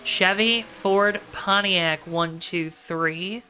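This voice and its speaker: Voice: mid-range voice, drawn-out words, sharp tone, slight background noise, rough recording. A motorsport commentator calling a race live, with dramatic, emphatic repetition and colorful phrasing. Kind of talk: live play-by-play racing commentary.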